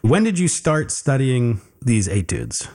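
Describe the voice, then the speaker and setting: A man hosting a classical music show, interviewing a young performer in a gentle, encouraging and patient way. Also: medium pitch, very animated, unhurried, vocal fry.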